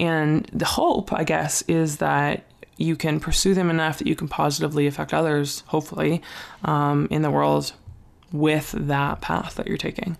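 A woman with a Canadian accent, very deep, low pitch, fairly even intonation and a moderate pace. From Ontario, Canada. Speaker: podcast host, entrepreneur and business coach. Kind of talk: solo monologue, personal story. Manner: chatty, frequent fillers.

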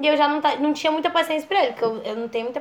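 Against noticeable background noise, a woman with a Brazilian accent speaks at a high pitch in an animated tone. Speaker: podcast co-host. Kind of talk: casual chat. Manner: animated, laughing often.

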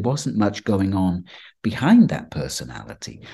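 Against a quiet background, a man talks at a moderate pace in a somewhat breathy voice. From Wales. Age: 60s. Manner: calm, soothing.

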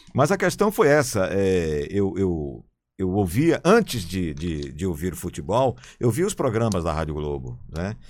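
With a very deep, low pitch and very wide pitch swings, a man speaks at a fairly slow pace in a very clean recording with a silent background. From Brazil, Bahia interior (Uauá). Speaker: sports radio commentator. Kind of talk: casual interview chat. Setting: studio.

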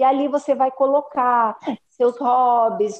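A high-pitched woman at a fairly slow pace with fairly even intonation. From Brazil, Curitiba. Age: 40s. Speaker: ophthalmologist. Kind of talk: interview.

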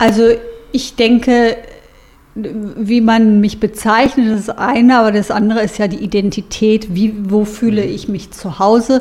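A woman speaks in an unremarkable speaking voice, fairly high in pitch, at a fairly slow pace with fairly even intonation. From Germany, Düsseldorf. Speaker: lawyer. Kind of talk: interview.

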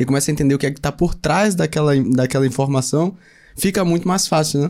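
A fairly high-pitched man at a very fast pace with ordinary pitch variation, on a very clean recording against a silent background. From Bahia interior, Brazil. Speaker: podcast host. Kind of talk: interview.

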